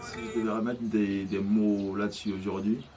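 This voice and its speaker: A man, telling his own story in a hesitant, halting way full of restarts. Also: fairly low pitch, little pitch movement, dark tone, soft background music. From Côte d'Ivoire. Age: 30s. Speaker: interviewee. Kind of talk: personal testimony.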